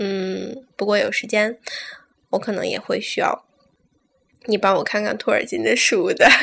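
A woman takes long, frequent pauses as she talks at a fairly slow pace. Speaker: podcast host. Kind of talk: casual solo podcast monologue. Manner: hesitant, many fillers.

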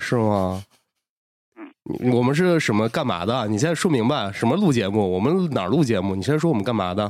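A plain, everyday voice with lively intonation and a fairly quick pace, on a very clean recording with a silent background. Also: man, medium pitch for a man. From Henan. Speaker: podcast co-host. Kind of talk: casual chat.

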